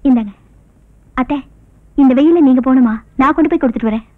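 An actress playing a dutiful young village daughter, eager to please. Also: female voice, high-pitched, quick pace, narrow, tinny audio, noisy background, lightly acted. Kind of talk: film drama dialogue.

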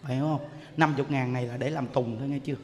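A man, a Buddhist monk preaching and telling stories in an animated way. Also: medium pitch, fast talker. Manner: animated storytelling, acts out people he quotes. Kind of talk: sermon. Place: temple hall. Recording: long hall reverb, faint ambience.

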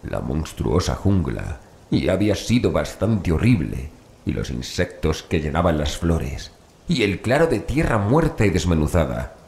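A man narrating a horror audiobook in a measured, dramatic way with deliberate pauses. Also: a bass voice, darkish tone. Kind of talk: scripted horror story narration. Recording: roomy echo, faint background noise.

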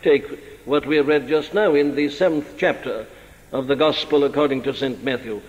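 An older man preaching a sermon in a church, earnest and deliberate, slowing down to stress key words. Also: medium pitch. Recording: dull archival sermon recording in a large hall.

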